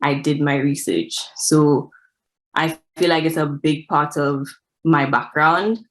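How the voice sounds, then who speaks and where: Low-voiced young woman with a Saint Lucian accent. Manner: frank, reflective, says "like" often. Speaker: guest analytics specialist. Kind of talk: casual interview answers.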